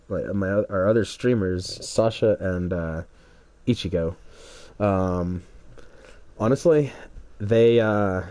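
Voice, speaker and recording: A man's voice: deep voice, dark tone, dry recording. A young man streaming a game, congested, rambling hesitantly with many restarts while he waits for a match. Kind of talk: rambling solo stream chat.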